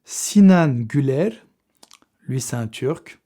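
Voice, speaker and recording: A man's voice: mid-range voice, expressive, slow, mellow. A young man hosting a casual vlog giveaway, talking in slangy, chatty French with frequent swearing and laughs. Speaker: fitness youtuber running a giveaway draw. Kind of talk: casual vlog talk to camera.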